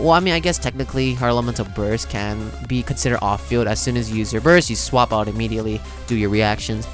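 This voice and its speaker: A man hosts a casual gaming reaction video in a mid-pitched voice. He explains things conversationally, dropping in small filler asides as he goes. Music plays behind him. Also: fairly bright tone. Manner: conversational, explanatory, frequent "you know" asides. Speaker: video host reacting to game character preview. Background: background music.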